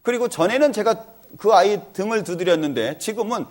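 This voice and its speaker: A man's voice: sits high, lively intonation, brisk. A middle-aged man giving a church lecture, telling an earnest personal story about his family and acting out their talk.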